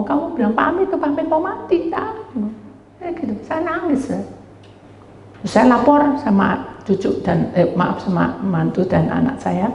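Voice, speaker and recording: A woman's voice: mid-range voice, muffled recording. A middle-aged woman pastor telling a story in a sermon, acting out voices and calling out to the congregation. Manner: animated, acts out dialogue, addresses congregation as "saudara". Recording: roomy hall, voice from far off.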